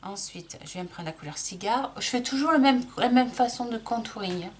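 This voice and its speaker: A woman's voice: fairly high pitch, expressive, moderate pace, slight background noise. A middle-aged woman chatting casually through a makeup tutorial, explaining each step with lots of small restarts. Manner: chatty, explains while applying, frequent restarts and fillers. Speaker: makeup vlogger.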